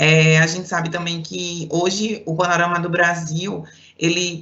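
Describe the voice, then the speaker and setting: A woman with a Pernambuco accent, flat monotone intonation, and audible room echo. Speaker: healthcare company manager. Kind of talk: online presentation. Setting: live stream. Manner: hesitant, many fillers.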